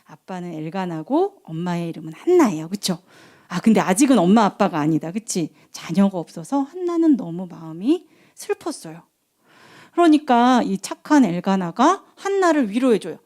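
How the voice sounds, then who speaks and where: Lively woman telling a children's Bible story. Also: mid-range voice, normal speed. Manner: animated storytelling, asks children questions, acts out voices. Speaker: children's ministry preacher.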